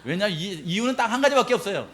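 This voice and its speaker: A middle-aged pastor preaches a sermon in a high-pitched, racing voice, animated as he acts out quoted reactions and laughs often.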